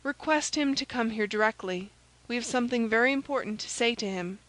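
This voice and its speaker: A woman voicing a gallant young gentleman soldier in a storybook, commanding and reassuring. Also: on the high side, fairly quick, no room sound, natural voice, rough recording. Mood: brisk, decisive.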